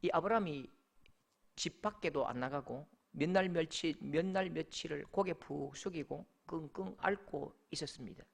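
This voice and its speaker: A male pastor with a Gyeongsang accent, preaching a sermon as an emotive, animated storyteller. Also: fairly high pitch, moderate pace, creaky. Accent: Gyeongsang Korean.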